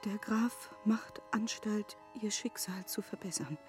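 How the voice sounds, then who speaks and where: An actress playing an earnest noblewoman in a literary radio drama, speaking in hushed, halting, measured phrases as she bids a painful farewell. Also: medium pitch, music in the background, natural voice. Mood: pained, confessing.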